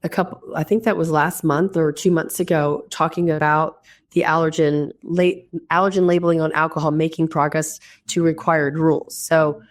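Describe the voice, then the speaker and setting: A woman's voice: sits low, fairly even intonation, moderate pace. A woman hosting an interview show from a hotel room, chatty and enthusiastic, sounding stuffy like she has a head cold. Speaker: podcast host. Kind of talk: casual interview chat.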